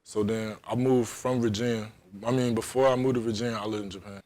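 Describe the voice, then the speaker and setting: A man's voice: lowish voice, steady tone, fast talker, darkish tone. Polite young man answering "sir". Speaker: football player. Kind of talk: interview answers.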